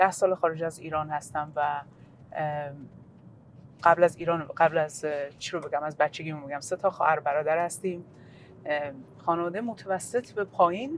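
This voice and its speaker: In a Kurdish accent, a woman speaks with a very deep, low pitch at a moderate pace, her pitch varying in an ordinary way. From Iran, Kermanshah (Kurdish region). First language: Kurdish (speaking Persian). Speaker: writer and hypnotherapist. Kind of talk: interview.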